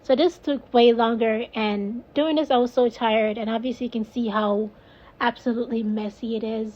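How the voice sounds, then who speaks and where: A woman's voice: fairly high pitch, darkish tone, muffled recording, a little hiss or hum. A woman with a Jamaican accent casually narrating her own craft video, rambling and laughing at herself. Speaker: resin crafter, video host.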